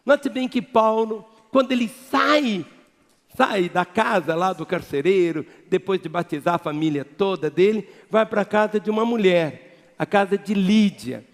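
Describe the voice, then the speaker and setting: A Brazilian pastor with a fairly high voice delivers a sermon, pressing his points hard and then dropping to soft, low asides. His voice rings with the long reverb of a large church hall. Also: a little slow. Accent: Brazilian Portuguese. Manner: emphatic, preacherly, swinging between loud exhortation and quiet low asides.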